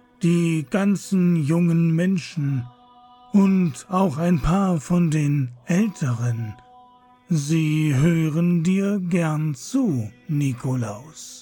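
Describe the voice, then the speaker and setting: A man's fairly high voice at a very slow pace, with very even loudness, lively intonation and faint music in the background. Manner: warning, then scolding and authoritative.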